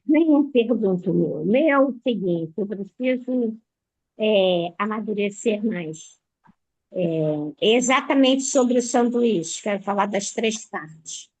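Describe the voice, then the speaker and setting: A woman, a church member in a Bible study, speaks hesitantly and haltingly, searching for words as she explains her understanding. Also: mid-range voice, expressive, a little mellow, dry recording, rough recording. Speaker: church member asking a question.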